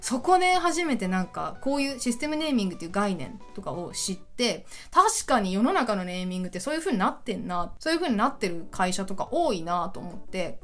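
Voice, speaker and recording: A woman hosts a casual solo podcast in a lively, chatty voice whose pitch swings widely. She sounds enthusiastic and laughs easily. Soft music plays faintly underneath. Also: brisk, few pauses. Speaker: podcast host.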